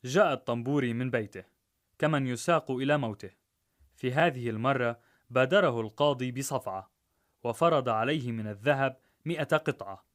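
Man narrating a rhymed story. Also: mid-range voice. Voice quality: measured, rhythmic.

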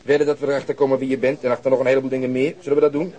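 An actor playing a composed, persistent police detective in a radio crime drama, polite, firm and matter-of-fact. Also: male voice, mid-range voice, little pitch movement, racing, warm tone, lightly acted. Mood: calm, firm.

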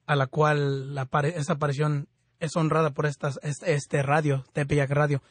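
A man's voice: on the high side, flat delivery, normal speed, dry recording. Fervent male Catholic radio host. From California. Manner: fervent, conversational, frequent restarts. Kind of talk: Catholic radio talk and prayer.

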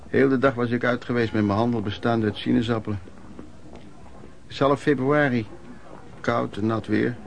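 A man's voice: medium pitch, creaky, slight background noise, close to an everyday voice, rough recording. An actor playing an embittered working-class man who recounts his miserable youth in a colloquial radio play monologue. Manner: colloquial, emotional storytelling with repetitions. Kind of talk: Dutch radio play narration, reminiscing monologue.

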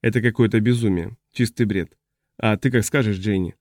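A man reading the part of a confused, agitated man who has lost his memory, in a fretful, halting way. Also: fairly low pitch, fairly even intonation, a little mellow, no echo, close to an everyday voice. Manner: fretful, halting, trailing off mid-sentence. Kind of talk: audiobook character reading.

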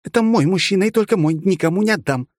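A fiery, jealous young woman, played by a male narrator in a storybook reading. The voice is pitched very high above his own and quick to flare. It is recorded close and dry. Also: animated, mellow, dry recording. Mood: angry. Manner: indignant, hot-tempered.

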